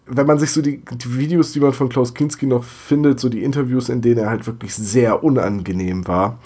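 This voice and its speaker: Ein leicht erkälteter Mann plaudert als Co-Host eines Podcasts, erzählt ausführlich und lacht. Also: male voice, medium pitch, steady tone, a little fast, warm tone, breathy edge. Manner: chatty, laughs, imitates voices. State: slightly congested from a cold. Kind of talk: casual podcast chat.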